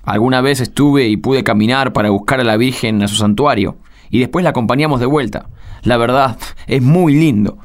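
An earnest young husband in a radio play, acted by a man, devout and gentle. He speaks with an Argentine accent at a medium pitch and is soon to be a father. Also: moderate pace, natural voice. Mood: earnest, fond. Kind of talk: radio drama acting.

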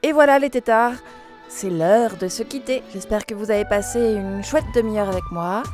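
Mellow woman hosting a radio show. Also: mid-range voice, normal speed, faint music behind. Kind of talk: scripted radio presenting.

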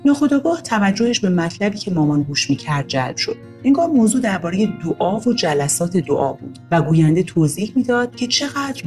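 A woman narrating a children's story in an expressive, gently paced reading voice. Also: on the low side.

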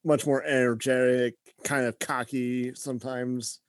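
Man co-host, mid pitch, hesitant filler-heavy talker, dry recording. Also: flat delivery, measured pace, no room sound. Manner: hesitant, lots of "like" and "you know". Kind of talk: casual brainstorming chat.

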